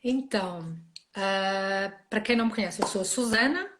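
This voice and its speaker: A woman from Portugal with a light European Portuguese accent, introducing herself as a guest coach in a friendly, relaxed way. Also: medium pitch, moderate pace, a little hiss or hum. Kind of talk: casual interview talk.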